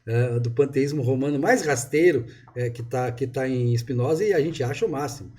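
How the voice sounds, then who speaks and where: Speaking with a warm, medium-pitched voice at a moderate pace, this author and interviewee from southern Brazil has a gaúcho accent. In casual conversation he rambles emphatically and keeps restarting.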